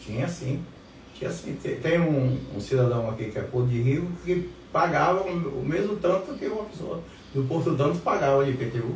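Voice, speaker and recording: With noticeable background noise and audible room echo, a man with a fairly high pitch speaks at a moderate pace and with lively intonation. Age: 60s. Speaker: retired education worker and community activist. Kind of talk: interview. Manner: halting, with repetitions and fillers.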